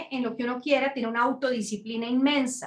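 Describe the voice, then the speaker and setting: A woman's high-pitched voice. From Colombia. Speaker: tech entrepreneur. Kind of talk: interview.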